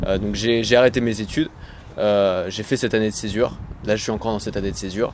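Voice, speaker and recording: Over noticeable background noise, a man with a fairly low pitch speaks at a very fast pace. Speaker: web entrepreneur. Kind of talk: interview.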